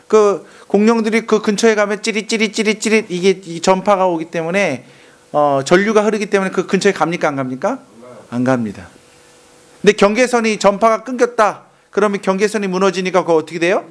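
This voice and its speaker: A male pastor preaching a sermon to young adults, animated, acting out angry outbursts and asking the congregation to repeat after him. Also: high voice. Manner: animated, acts out angry outbursts and calls for repetition.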